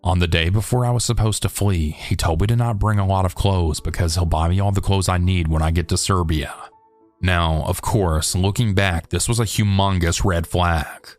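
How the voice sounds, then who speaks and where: A man reading a listener's true story aloud in a steady, measured storytelling voice. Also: low voice, soft background music. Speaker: narrator.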